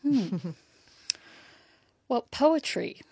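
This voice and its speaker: A woman interpreting a deaf guest's answers aloud, speaking in a measured, thoughtful way. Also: a little high, very animated, gravelly, dark tone, slightly rough, no room sound. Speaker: sign language interpreter.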